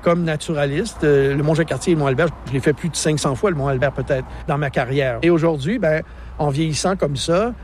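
Older guy, naturalist, slightly high voice, talks about his mountains, a bit of outdoor noise. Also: a little fast, darkish tone. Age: 60s. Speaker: park naturalist guide. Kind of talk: outdoor radio interview.

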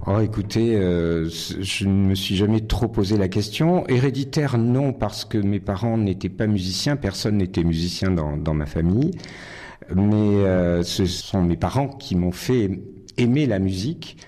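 A middle-aged man from Nice, a concert pianist, answering interview questions thoughtfully with many pauses and restarts. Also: fairly low pitch, warm tone. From Nice, France.

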